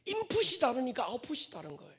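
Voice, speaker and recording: A male pastor preaching a sermon to his congregation, swinging from loud stressed phrases to whispered endings and drawing out key words. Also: very high-pitched, huge pitch swings, vocal fry, slight background noise. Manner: addresses the congregation directly, drawn-out stressed words.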